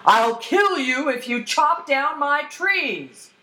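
A woman's voice: high voice, expressive, takes it slowly, voice pushed up, exaggerated voice. Woman acting out a blustering storybook troll, echoey. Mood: menacing roar. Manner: threatening yells giving way to pleading. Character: enormous blustering male troll, easily frightened and gullible. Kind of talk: folktale storytelling.

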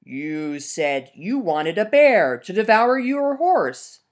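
A woman voicing a hungry, bullying male bear in a told folk tale, slow and menacing. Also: medium pitch, big pitch swings.

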